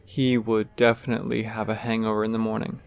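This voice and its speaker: A man's voice: on the low side, monotone, fairly quick, creaky, clear, resonant tone. A man giving scripted third-person narration for an audio drama.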